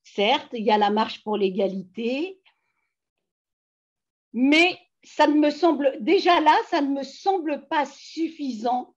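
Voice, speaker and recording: This interviewee, a feminist activist in her fifties from France, speaks slowly in a high voice while telling her life story on a casual video call from her living room. She's animated and emphatic, using lots of fillers, and the laptop webcam mic produces dull, lo-fi audio.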